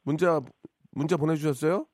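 A man hosting a phone-in radio show, teasing callers with deadpan banter. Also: a little high, normal speed, no room sound. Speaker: radio host. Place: radio studio.

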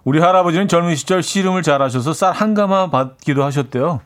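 A man's voice: a little high, fast talker. A man co-hosting a casual radio chat, reading listener messages aloud and laughing often between lines.

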